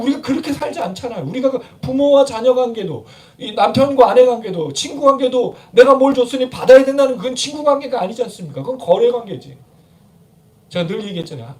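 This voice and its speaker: A male pastor preaches in a church with a high voice, heard from a bit away from the mic. He keeps asking the congregation questions and slips into little acted-out prayers and scoldings. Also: a little mellow, distant mic. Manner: conversational preaching with rhetorical questions; acts out quoted prayers and scoldings. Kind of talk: sermon. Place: church sanctuary.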